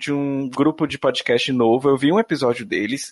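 The speaker talks at a moderate pace. Background noise is noticeable throughout. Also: man. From northern Minas Gerais, Brazil. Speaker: podcast co-host. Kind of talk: casual chat.

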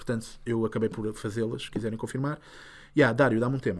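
Very fast speech with fairly even intonation on a very clean recording, silent background. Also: man. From Lisbon, Portugal. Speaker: comedian and podcast host. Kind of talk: casual chat.

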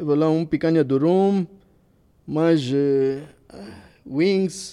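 This is a man's voice, pitched fairly high. The pitch moves in an ordinary way. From Mozambique. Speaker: podcast host. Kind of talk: casual chat.

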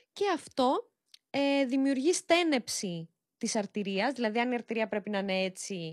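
The dry, close sound with no echo carries a woman's voice that swings very widely in pitch. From Thessaloniki, northern Greece (born in Armenia). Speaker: YouTuber. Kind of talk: casual chat.

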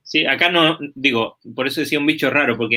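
Bright and sharp in tone, a man's voice moves at a fairly slow pace with ordinary pitch variation. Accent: Chilean. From Chile, Coquimbo. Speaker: pastor. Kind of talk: casual chat.

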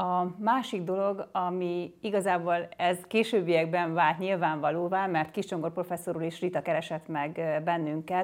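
A plain, everyday voice at a moderate pace, with fairly even intonation, in a very clean recording over a silent background. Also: woman. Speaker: doctor and aesthetic clinic director. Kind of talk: casual interview.

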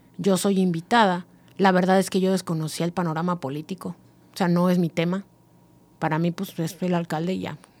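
Her pace is fairly quick. This woman speaks in a fairly low pitch with monotone, flat intonation. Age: 30s. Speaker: business owner. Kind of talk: casual interview.

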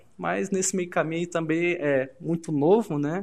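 An unremarkable speaking voice from a man, fairly even intonation, quiet background. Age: 20s. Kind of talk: casual chat.

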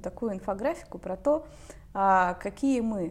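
At a fairly slow pace, a woman speaks in an ordinary speaking voice with a medium pitch and ordinary pitch variation. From Russia, Saint Petersburg. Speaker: graphic designer and teacher. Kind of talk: casual chat.

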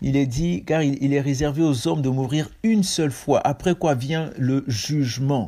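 Speaking at a very slow pace, a man with a fairly high pitch and a dark, mellow tone uses ordinary pitch variation on a very clean recording with a silent background. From Ivory Coast. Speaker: preacher. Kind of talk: sermon. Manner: halting.

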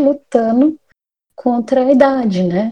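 A woman, high in pitch, with a dark, mellow tone and a very slow pace. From Belo Horizonte, Brazil. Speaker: podcast co-host. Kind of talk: casual chat.

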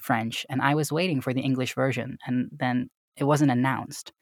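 A man speaks with a Dutch accent. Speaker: online chorus director and singer. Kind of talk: casual interview chat.

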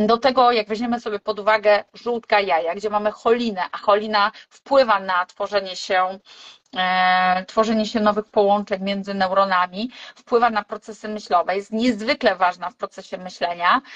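A woman with a medium pitch and an ordinary speaking voice talks at a moderate pace with fairly even intonation, the sound dry and close with no echo. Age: 40s. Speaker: clinical dietitian. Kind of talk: casual chat.

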